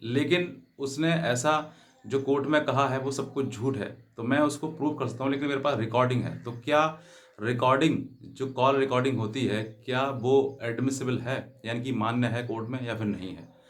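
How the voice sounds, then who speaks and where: On his legal advice channel, a man explains topics for viewers at normal speed in a mid-range voice, often putting things another way and glossing English terms in Hindi.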